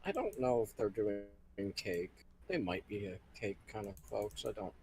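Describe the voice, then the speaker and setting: A man's voice: on the low side, very animated, unhurried, creaky, a little mellow, a little hiss or hum. A man chatting casually as a panelist on an online call, with a dry, wry way of joking. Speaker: livestream panelist. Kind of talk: casual chat.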